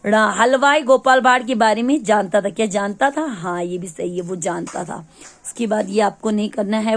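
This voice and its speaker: A woman teacher from Ladakh in India, patiently going through a lesson's answers step by step for young pupils. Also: mid-range voice. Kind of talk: classroom lesson explanation.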